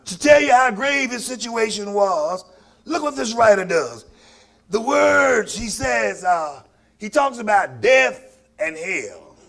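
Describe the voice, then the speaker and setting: A man's voice: high voice, lively intonation, slow, gravelly, a bit bright. A man from Mississippi with a Southern African American accent, preaching a sermon in a folksy, emphatic, repetitive way to his congregation. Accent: Southern African American English. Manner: folksy, emphatic, repeats phrases for effect. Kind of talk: sermon with call and response.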